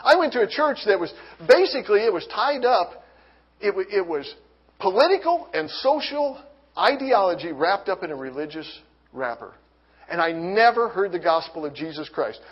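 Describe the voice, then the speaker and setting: Man, high-pitched, earnest testimony, halting restarts, lo-fi dull sound. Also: big pitch swings, slightly rough. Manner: reads scripture aloud. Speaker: testimony speaker. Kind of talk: personal faith testimony. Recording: dull lo-fi recording.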